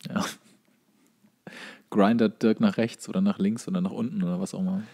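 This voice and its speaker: A man's voice: lowish voice, fairly even intonation, a little fast, vocal fry, dark tone. A man co-hosting a podcast in casual comedic banter, talking in a joking, rambling way. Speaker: podcast co-host.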